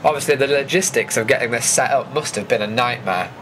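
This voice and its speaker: Over background noise, a man with a mid-range voice and a British accent talks briskly, casually narrating footage in a vlogger's recap of an event.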